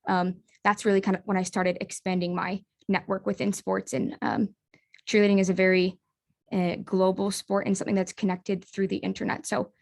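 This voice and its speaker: A young woman from the United States giving a brisk, friendly webinar presentation over a video call, with frequent ums. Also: mid-range voice, little pitch movement, gravelly.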